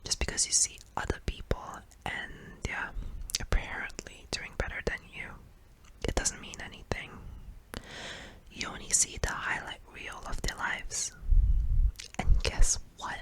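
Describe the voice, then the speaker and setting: A performer voicing a kindly, apologetic sleep paralysis demon in a soft, hesitant, breathy whisper for an ASMR roleplay. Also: a little slow, poor audio. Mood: reassuring, tender.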